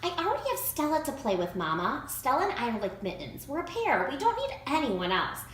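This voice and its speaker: Woman as a whiny, insistent little schoolgirl, lively pitch. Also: a little fast. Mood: insistent, defensive. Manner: whiny, pleading. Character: young schoolgirl, jealous, insistent, easily hurt. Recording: roomy echo, faint background noise.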